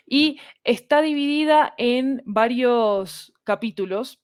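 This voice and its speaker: A woman with a Latin American Spanish accent explaining her work in an interview, animated and often checking that the listener follows. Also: fairly high pitch, slow, no room sound, studio quality. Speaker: podcast fiction producer, interviewed guest.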